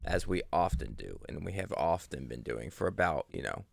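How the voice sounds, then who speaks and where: Man, very low pitch, vocal fry, casual podcast storyteller, informal, mildly sweary. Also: expressive, normal speed, dry recording. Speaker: podcast co-host.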